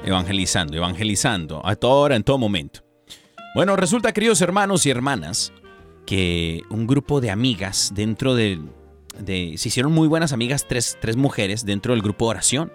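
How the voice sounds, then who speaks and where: A man's voice: fairly low pitch, very animated, brisk, faint music behind. A man hosting a faith radio show, telling jokes playfully and addressing listeners like a preacher. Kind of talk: joking casual radio chat.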